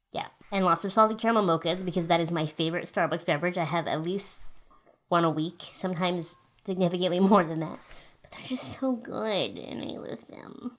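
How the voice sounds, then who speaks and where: Low-voiced woman vlogging, a bit under the weather. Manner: chatty and enthusiastic with frequent fillers. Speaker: beauty vlogger. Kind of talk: casual monthly favorites vlog.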